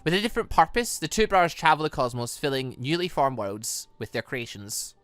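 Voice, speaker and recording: A patient, all-knowing warrior mother acted out by a man unfolds game lore in a measured, teasing way. The voice is bright and dry, with faint music behind. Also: a little high, sing-song, clean tone, no echo. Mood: solemn storytelling.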